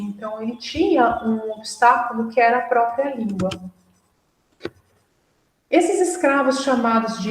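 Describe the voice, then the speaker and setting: A young Brazilian woman with a Brazilian Portuguese accent giving a literature lecture, measured and explanatory with frequent fillers. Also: a little high. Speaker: university lecturer. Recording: echoey room, mic at a distance.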